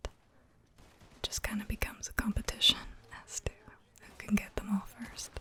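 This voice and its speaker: A woman whispering at a fairly slow pace. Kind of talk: gaming ASMR commentary. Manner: soft-spoken.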